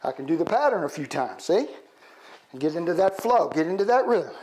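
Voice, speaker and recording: A man's voice: fairly high pitch, very animated, brisk, a little mellow, rough recording. A middle-aged man giving boxing instruction as a coach, demonstrating while shadow boxing. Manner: calling out counts and punch names while shadow boxing. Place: indoor home gym.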